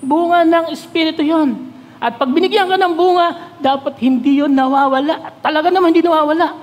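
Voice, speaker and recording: A Filipino man preaching from the pulpit in a high voice, his words trailing off into a long church-hall reverb. He reads scripture slowly and deliberately, then breaks off to put questions straight to the congregation. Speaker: pastor. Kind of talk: Taglish sermon.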